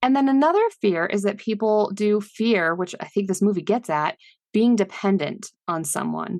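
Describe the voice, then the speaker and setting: A woman has a normal speaking voice. She talks at a moderate pace with ordinary pitch variation. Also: medium pitch for a woman. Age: 30s. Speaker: horror movie podcast co-host. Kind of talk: casual chat.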